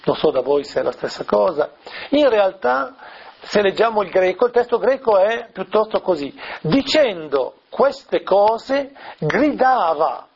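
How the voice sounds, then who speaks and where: A man's voice: high voice, expressive, moderate pace, vocal fry, a little mellow, breathy edge. A man, a priest, explaining a scripture passage in a teaching talk, asking rhetorical questions and tagging lines with "eh?". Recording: dull lo-fi recording.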